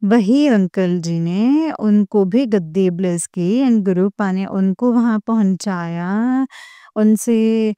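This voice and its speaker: Speaking slowly with a warm, smooth, medium-pitched voice, a young woman tells fellow believers about a personal devotional experience. Her testimony is earnest and emotional, with quoted exchanges, and the recording has no echo.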